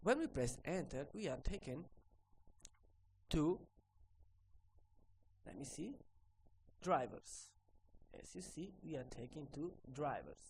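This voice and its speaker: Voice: medium pitch, creaky, a little hiss or hum, rough recording. Instructor. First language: Portuguese. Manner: ends phrases with a questioning "okay?", repeats himself. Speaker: repair course instructor. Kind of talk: screen-recorded tutorial walkthrough.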